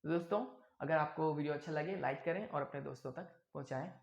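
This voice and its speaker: A man teaching accent rules to viewers, slowly drawing out and repeating example words. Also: a little high, vocal fry, reverberant, muffled recording. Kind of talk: explaining pronunciation rules to viewers.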